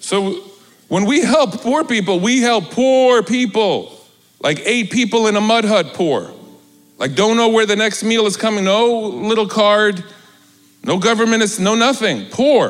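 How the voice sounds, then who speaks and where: A man with a high voice sounds animated at a fairly slow pace, keeping very even loudness and ordinary pitch variation amid audible room echo. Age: 40s. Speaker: pastor. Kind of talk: sermon.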